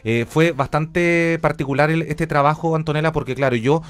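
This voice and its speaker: A man's voice: fairly high pitch, moderate pace, clean tone, no room sound. Reflective Chilean man in a radio interview. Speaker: interview guest, journalist and radio theatre director.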